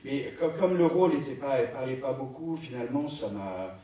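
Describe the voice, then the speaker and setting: A man, an actor on a festival panel, talking hesitantly with many pauses and trailing off. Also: mid-range voice, expressive, dark tone. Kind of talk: panel talk. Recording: roomy hall, distant mic, faint noise.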